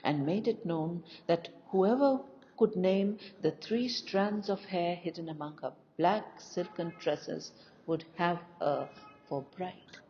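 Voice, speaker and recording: A woman narrating a scripted folk tale as an audio story, with deliberate, expressive delivery. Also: on the low side. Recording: dull lo-fi recording with faint noise.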